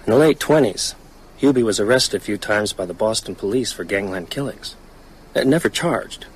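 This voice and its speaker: A man acting a haunted novelist in a radio play. His voice sits fairly low and moves hesitantly, reflectively through his confidences. Background ambience is audible under the dialogue. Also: expressive, normal speed, slight background noise, natural voice, poor audio. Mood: grave, storytelling. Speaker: radio drama actor. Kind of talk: naturalistic radio drama dialogue.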